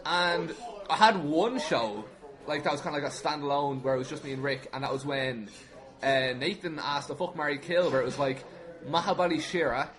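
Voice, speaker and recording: A chatty male podcast guest with a slightly high voice, talking very quickly. His delivery is informal and conversational, loose with swear words, as if among friends. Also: a bit bright. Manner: chatty, informal, sweary, frequent "like" and "you know". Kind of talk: casual conversational interview answers.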